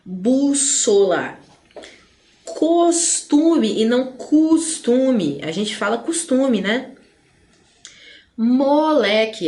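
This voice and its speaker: A woman from Espírito Santo, Brazil, speaking Brazilian Portuguese with that regional accent, chats her way through an exam-prep lesson full of playful asides and frequent tag questions. Her voice is medium in pitch with a darkish tone, and the recording sounds roomy.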